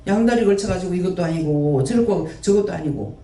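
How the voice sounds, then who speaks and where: A man's voice: high voice, animated, fairly quick, dark tone. A man who runs a prayer house, preaching a sermon and scolding his listeners with one rhetorical question after another. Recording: roomy echo, mic at a distance.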